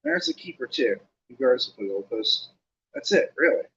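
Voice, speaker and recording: A man's voice: mid-range voice, huge pitch swings, moderate pace, a bit bright. A man voicing a schoolboy who explains rules in a heavy, resigned way. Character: patient schoolboy explaining a sport, a bit weary. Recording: dull lo-fi recording.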